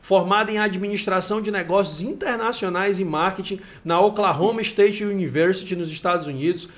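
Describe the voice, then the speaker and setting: Host: energetic man, high voice, upbeat podcast intros and interview questions.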